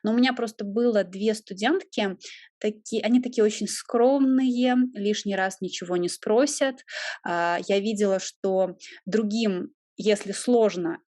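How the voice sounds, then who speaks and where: A young woman, a Russian language teacher, explaining her teaching views in a relaxed conversation, pausing often with small hesitations. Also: mid-range voice, dry recording, studio quality. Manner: thoughtful, explanatory, with frequent hesitations. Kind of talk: conversational interview.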